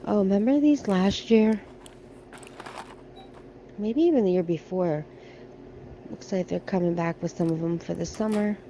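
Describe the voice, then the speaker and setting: Wandering through big discount-store aisles, an American shopping vlogger chats and muses aloud for her casual shop-with-me video, shot on a handheld phone. She speaks unhurriedly in a dark, mid-range voice with long pauses, and a faint hiss or hum runs underneath.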